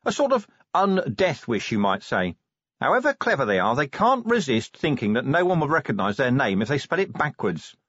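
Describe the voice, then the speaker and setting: A man narrator plays a weary, middle-aged watch commander in a fantasy audiobook. He is husky and sardonic, with dry wit and animated intonation. The sound is slightly dull. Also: medium pitch, normal speed, no room sound, pitched above the performer's own voice. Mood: wry, pleased. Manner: dry, wry. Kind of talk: audiobook character voice.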